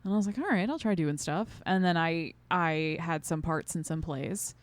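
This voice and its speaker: A woman's voice: deep voice, moderate pace, dry recording. A woman co-hosting a podcast, chatting casually in a playful, teasing way. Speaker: podcast co-host. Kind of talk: casual conversational chat.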